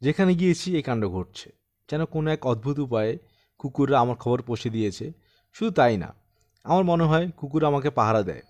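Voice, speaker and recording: A man's voice: medium pitch, animated, a little fast, darkish tone, lightly acted. A man voicing a troubled man of sixty-seven in an audiobook, earnest, self-deprecating and insistent as he recounts something eerie. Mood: haunted, wondering. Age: 60s. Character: troubled 67-year-old man recounting his eerie haunting. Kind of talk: dramatised audiobook storytelling.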